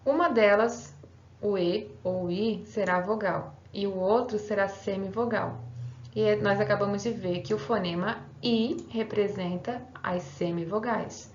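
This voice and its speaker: A woman's voice: medium pitch, a little slow, a little hiss or hum. A woman teacher giving a recorded online grammar lesson, explaining patiently step by step and checking in with her students. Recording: roomy, slightly dull home recording.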